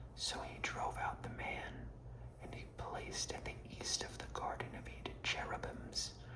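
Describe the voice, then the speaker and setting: Someone whispers in a soothing tone at a fairly slow pace. Noticeable background noise can be heard. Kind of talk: whispered Bible reading for relaxation. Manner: whispered, soothing.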